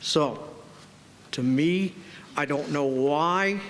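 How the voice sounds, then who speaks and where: A man does the talking. The pitch variation is ordinary. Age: 70s. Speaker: community member speaking at public comment. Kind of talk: public comment at board meeting. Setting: auditorium meeting.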